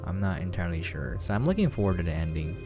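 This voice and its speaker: A man with a low-pitched voice talks casually through a visual novel, alternating between reading the text and musing on it. Soft music plays faintly behind him. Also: big pitch swings, fast talker. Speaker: game preview commentator.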